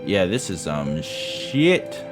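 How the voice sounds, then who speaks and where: A man with a low voice reads a horror tale aloud like a game streamer. He narrates dramatically, then drops into casual, sweary commentary and trips over words now and then. Loud music plays behind him. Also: big pitch swings, drawn-out words. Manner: casual, profane, interjecting, stumbles over reading. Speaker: streamer reading a visual novel aloud. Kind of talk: dramatic ghost-story read-aloud with casual asides.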